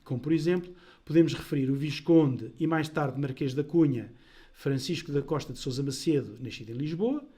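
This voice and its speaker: A man giving a measured, deliberate history lecture. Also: a little high, warm tone, breathy edge. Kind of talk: scripted history talk.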